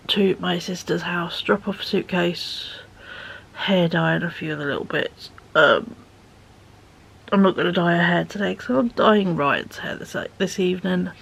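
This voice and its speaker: Her voice is fairly low and fairly bright, with vocal fry and a slightly rough edge. Filming herself at home on a phone held out at arm's length, she chats aimlessly with many fillers and occasional whispers, sounding worn out.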